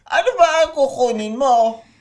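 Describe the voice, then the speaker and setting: A woman's voice: high voice, expressive, unhurried. A woman voicing a friendly male snack vendor with a hesitant drawl in an improvised radio drama.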